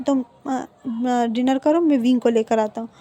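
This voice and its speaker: A woman voicing a caring grandmother who coaxes and soothes gently. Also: a little high, fairly even intonation, unhurried, natural voice. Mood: coaxing. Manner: soothing, coaxing.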